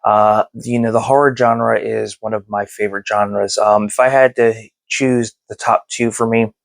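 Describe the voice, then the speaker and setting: Born in Texas and raised in Germany and Florida, a man in his thirties hosts a movie review channel, talking casually to camera at normal speed and rambling with many fillers. His voice is low-ish, creaky, and fairly even, with no room sound.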